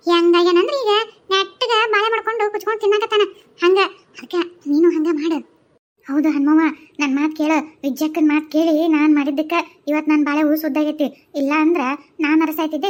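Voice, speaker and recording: A woman's voice: extremely high pitch, fairly even intonation, fast. A woman voicing a confident village woman in a cartoon who gives firm, soothing advice, with a North Karnataka Kannada accent. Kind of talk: cartoon voice acting.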